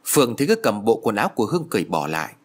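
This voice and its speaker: A man narrating a ghost story in an expressive, dramatic way. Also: fairly low pitch, rapid-fire.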